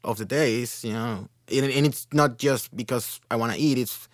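A man's voice: mid-range voice, moderate pace, no echo, clean studio sound. A man from Chile talking casually as a podcast guest, rambling with lots of fillers.

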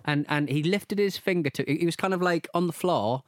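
Playful man with quick jokes. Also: on the high side, dry recording, clean studio sound. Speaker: podcast co-host. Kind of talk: casual chat.

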